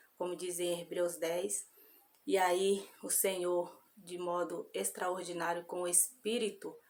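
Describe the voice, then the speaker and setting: A woman speaks in a fairly low voice. Her intonation is flat and monotone. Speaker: bible teacher. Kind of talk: sermon.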